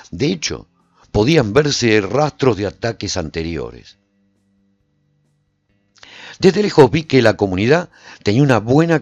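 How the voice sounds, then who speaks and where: A man playing a solitary, reflective survivor who recounts his travels in measured, theatrical radio drama narration. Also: lowish voice, dry recording, muffled recording. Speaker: narrator and lead actor of a radio serial.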